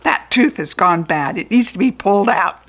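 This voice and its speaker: A woman voicing a small, bossy male goblin who squawks in a high, loud voice. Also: expressive, normal speed.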